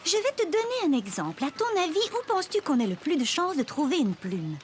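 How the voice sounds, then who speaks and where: A woman's voice: high voice, very animated, fairly quick. A woman voicing a kind, patient young babysitter in a children's cartoon, explaining things with sing-song encouragement. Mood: patient, instructive. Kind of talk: children's cartoon acting in French.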